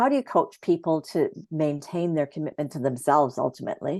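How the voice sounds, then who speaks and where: Her tone is dark and mellow. The woman's pitch is very deep and low. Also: quiet background. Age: 60s. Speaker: webinar host. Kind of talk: interview Q&A. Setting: video call.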